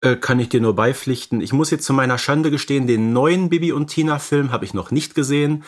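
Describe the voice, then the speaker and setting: A man's voice: mid-range voice, fairly quick. A man with a mid-range voice co-hosts a film podcast. His delivery is casual and conversational, with little tag questions inviting agreement. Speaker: podcast co-host.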